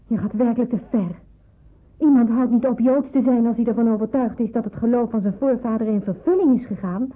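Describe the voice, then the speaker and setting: A woman's voice: a little high, a little fast, natural voice. An actress playing an earnest young Jewish woman in hiding in a Dutch radio play, speaking with emphatic, pleading conviction. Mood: hurt. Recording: muffled narrowband old radio play.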